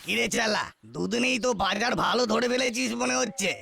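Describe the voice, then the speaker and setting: A man's voice: extremely high pitch, a little fast, vocal fry, bright, forceful tone, soft background music, full character voice. A man voicing a nosy, mocking small-time crook in a taunting comic cartoon style.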